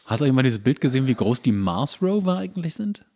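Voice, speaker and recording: A man's voice: medium pitch, big pitch swings, fast talker, darkish tone. A man co-hosting a podcast in casual comedic chat, explaining things in a dry way. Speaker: podcast co-host.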